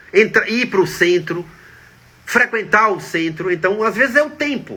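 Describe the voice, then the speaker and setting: Raising and projecting his high-pitched voice, a man speaks at a moderate pace. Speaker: spiritist teacher. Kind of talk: live Q&A talk. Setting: Instagram live stream.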